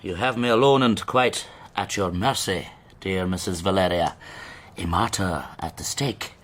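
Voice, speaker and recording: A man's voice: sits low, measured pace, fairly bright tone, a little hiss or hum. An actor playing a theatrical, cunning, eccentric disabled man in a Victorian radio drama, declaiming in a florid, mocking way. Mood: sly, excited.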